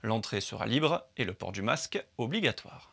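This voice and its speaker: A man reading short scripted cultural news items in a crisp, even newsreader manner. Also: fairly low pitch, normal speed. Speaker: news presenter for culture briefs.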